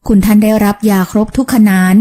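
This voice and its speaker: A woman's voice: fast talker, mellow, close to an everyday voice. A woman voicing an older, devoted household maid who speaks politely and coaxingly to the family, in an audiobook. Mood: reassuring. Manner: polite, coaxing, servant's deference.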